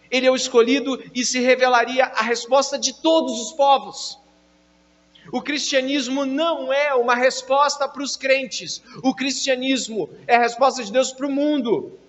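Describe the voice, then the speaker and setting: A man talks at a fairly slow pace with an extremely high pitch and fairly even intonation, over noticeable background noise. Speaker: pastor. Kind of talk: sermon.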